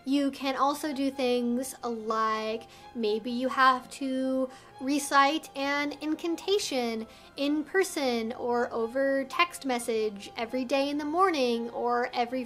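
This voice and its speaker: A woman with a high voice hosts an educational video. She explains things earnestly and articulately, as if from prepared notes. Faint music plays behind her. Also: a bit bright. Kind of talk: explainer video to camera, semi-scripted.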